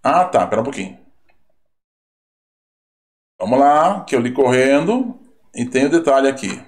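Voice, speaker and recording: In an unhurried, very animated voice of medium pitch, a man reviews exam answers during an online lesson. His Brazilian Portuguese accent comes through as he talks conversationally, using tag questions and rhetorical asides, with a roomy echo on the recording.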